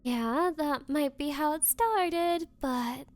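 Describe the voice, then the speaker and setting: A woman's voice: sits high, slow pace, dry recording. A young woman voicing a spoiled, possessive rich girl in an anime-style ASMR roleplay, coy and haughty with hesitant, valley-girl phrasing. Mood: haughty, confessing. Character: bratty spoiled rich girl, possessive, smitten but defensive.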